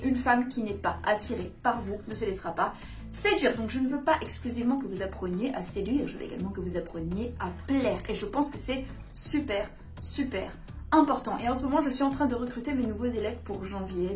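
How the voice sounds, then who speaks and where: A woman coach talking casually to camera in a hyped-up, over-caffeinated way with emphatic bursts. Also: a little high. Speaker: dating and seduction coach presenting her channel. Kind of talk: casual vlog explainer to camera.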